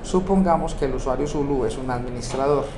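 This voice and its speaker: A man with a Colombian Spanish accent teaches a software course, walking step by step through a screen-recorded tutorial and often checking in with rhetorical questions. His voice is mid-range and fairly quick, recorded in an echoey room with steady background noise.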